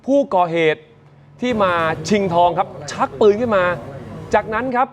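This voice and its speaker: A man presenting morning news, retelling events in a lively, chatty way and addressing viewers directly. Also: sits high, moderate pace.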